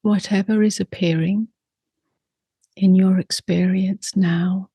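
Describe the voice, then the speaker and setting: Very slow, soft woman guiding meditation. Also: mid-range voice, fairly even intonation, slightly rough, no echo. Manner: soft, unhurried, long pauses between short phrases. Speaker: meditation teacher.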